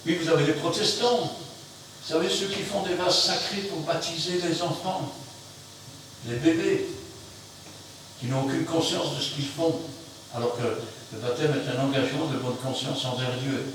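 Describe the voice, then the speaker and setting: A man preaching an emphatic sermon, swinging between loud outbursts and quiet asides. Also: a little high, fairly even intonation, moderate pace, long pauses. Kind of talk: fiery sermon. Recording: very echoey room, mic far off, faint noise.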